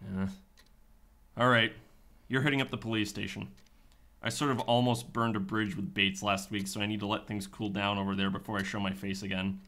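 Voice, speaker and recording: Man playing a brisk, forceful male detective. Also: lowish voice, level tone. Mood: wry, businesslike. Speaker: actor in a sci-fi radio drama. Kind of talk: radio drama acting.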